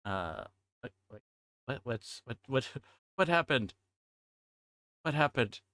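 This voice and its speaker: A man hosts a casual livestream at an unhurried pace. He repeats himself and trails between thoughts in a mid-pitched voice, recorded dry with little room sound. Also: very animated, sharp tone, no room sound. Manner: halting, repetitive, scattered delivery.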